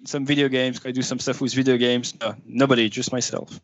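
A man with a French accent, a navy pilot guest, speaking halting, repetitive English in a remote interview. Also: mid-range voice, level tone. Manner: repeats words, halting English. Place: remote call from home. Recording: dry, dull remote call line.

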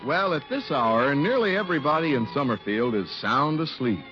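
Emphatic male radio announcer, lively pitch, old dull broadcast sound. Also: moderate pace, loud music behind the voice. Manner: hearty, emphatic.

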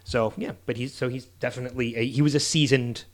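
A man's voice: medium pitch, fairly even intonation, fast. Man hosting a rambling movie chat. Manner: loose, restarts a lot, many fillers. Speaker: podcast host. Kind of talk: casual movie discussion.

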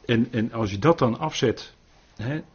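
A man's voice: mid-range voice, unhurried, slightly rough, highs cut off. An older man leading an informal Bible study, earnest, often adding tag questions and restarting his sentences.

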